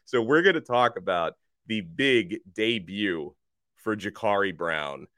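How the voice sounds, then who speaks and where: A man hosting a college football podcast, slightly hoarse, talking with emphatic energy that rises toward near shouts. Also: lowish voice, animated, slow pace, dry recording, clean studio sound. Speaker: sports podcast host. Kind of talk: college football talk with ad read. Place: radio studio.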